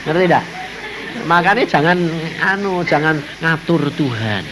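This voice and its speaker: A man's voice: a little high, a little slow. A man preaching a sermon with a Javanese accent, telling stories animatedly and acting out quotes. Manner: animated storytelling with acted-out quotes and bursts. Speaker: evangelist preacher. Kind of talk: testimony-filled sermon. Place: church hall with congregation. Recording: live church hall with crowd and noise.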